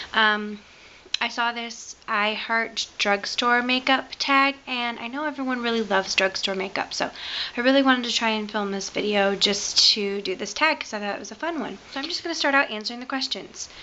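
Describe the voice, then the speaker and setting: Noticeable background noise sits behind a woman talking at a moderate pace. Her pitch is fairly high, with ordinary pitch variation. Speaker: beauty vlogger. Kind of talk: casual vlog talk.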